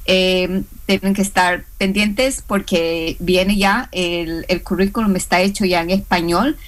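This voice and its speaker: A woman's voice: lowish voice, steady tone, unhurried, low-quality recording. A woman with a Hispanic accent, a small business instructor, explaining as an interview guest with many fillers and restarts. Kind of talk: radio and live stream interview guest.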